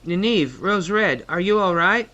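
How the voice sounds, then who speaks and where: A man's voice: sits high, animated, measured pace, bright, forceful tone, highs cut off, full character voice. A man playing an earnest, polite young magic student, modest and deferential, in a comic fantasy audio drama.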